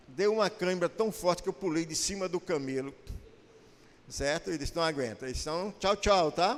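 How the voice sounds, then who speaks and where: A man speaks loudly at a high pitch and a moderate pace. His tone is animated, with ordinary pitch variation. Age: 70s. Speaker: pastor and Bible teacher. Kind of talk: Sunday school lecture to a congregation. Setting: church hall with PA system. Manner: loud, projected; animated, humorous storytelling.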